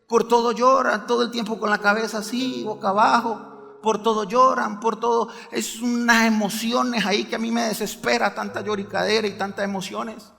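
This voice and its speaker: A pastor preaching with a very high, bright voice that has a gravelly edge. His delivery is emphatic, and he keeps pressing the room for an amen. It sounds like a long-reverb church hall with faint music underneath. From Colombia. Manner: emphatic preaching, calls for amens. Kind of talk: sermon. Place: church sanctuary.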